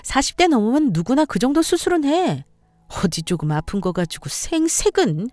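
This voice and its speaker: A woman's voice: high voice, very animated, normal speed, darkish tone, dry recording, pitched above the performer's own voice. Woman voicing a sneering, bossy sister-in-law. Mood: scornful. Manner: sarcastic, bossy, needling. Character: sharp-tongued, sneering sister-in-law, a mother.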